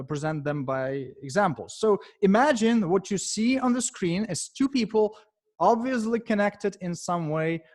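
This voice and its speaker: A man with a Ukrainian accent giving a presentation to a professional meetup as speaker and author, talking in a measured way with frequent pauses and filler sounds. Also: on the high side.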